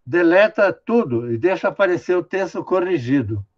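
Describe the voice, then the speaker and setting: A man's voice: high-pitched, animated, moderate pace. An older man from Brazil, a linguistics professor giving an online lecture, patiently explaining a student's writing and tagging sentences with "né?". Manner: patient, explanatory, many "né?" tags, directs the screen operator. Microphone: video call. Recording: dull lo-fi video call audio.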